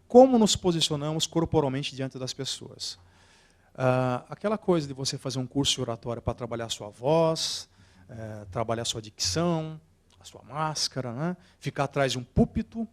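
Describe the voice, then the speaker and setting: Expressive Brazilian man giving a lecture. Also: on the high side. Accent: Brazilian Portuguese. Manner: expressive and theatrical, shifting loudness and acting out scenes. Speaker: oratory teacher. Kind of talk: live lecture to an audience. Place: lecture hall with a live audience.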